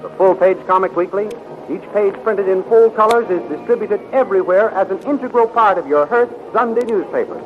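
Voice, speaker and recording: A man's voice: high voice, brisk, noisy background. A man narrating a 1930s radio adventure serial as its announcer, dramatic and declamatory. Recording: dull, vintage 1930s radio recording.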